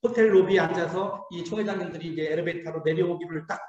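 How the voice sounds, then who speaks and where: A man's voice: sits high, fast talker. A middle-aged male missionary preaching at a seminar, telling stories and acting out the dialogue with energy. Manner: animated storyteller acting out dialogue. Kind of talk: seminar sermon with storytelling. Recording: distant mic in echoey hall, dull sound.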